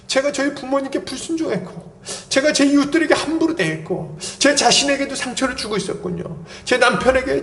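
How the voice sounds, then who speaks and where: A man's voice: very high voice, creaky, fairly bright tone, voice pushed up, heavily acted. A man voicing a churchgoer who confesses wrongs aloud in tears, in a pleading manner. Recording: echoey church hall.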